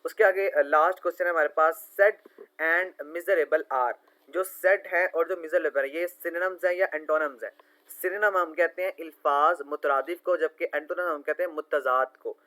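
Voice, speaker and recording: A man's voice: a little high, moderate pace, pushed and bright, low-quality recording. A man, an online tutor talking through quiz answers over a screen recording, explaining patiently and spelling words out letter by letter.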